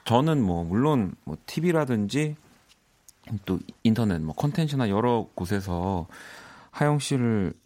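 Male radio host with lively, swinging intonation. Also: lowish voice, unhurried. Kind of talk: casual music radio interview. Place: radio studio. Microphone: studio microphone.

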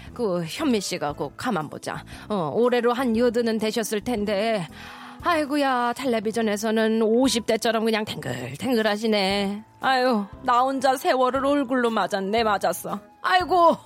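A woman's voice: fairly high pitch, natural voice. Woman playing a sighing, envious housewife. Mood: wailing. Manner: sighing, complaining, wailing. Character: aging housewife, envious, whiny and self-pitying. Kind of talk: radio skit acting.

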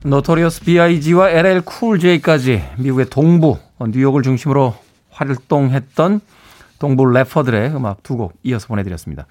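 A man's voice: medium pitch, normal speed, a little mellow, faint music behind. A man hosting a radio show, chatting in a friendly way and reading out listener messages from a studio. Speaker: radio host. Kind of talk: radio DJ talk.

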